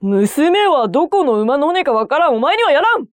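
A stern, indignant parent played by a woman scolds in a high, wildly swinging voice. The delivery is exaggerated and rapid-fire, made for a comic lesson sketch. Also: big pitch swings, no echo. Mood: indignant scolding.

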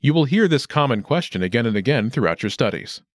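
A man narrating a scripted language lesson as an instructor, enunciating clearly and deliberately. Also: mid-range voice, sing-song, dry recording, studio quality.

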